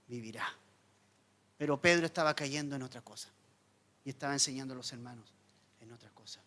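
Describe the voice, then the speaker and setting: A Chilean pastor with a mid-range voice preaches a sermon, telling the story dramatically. He swings widely between loud emphasis and hushed lines.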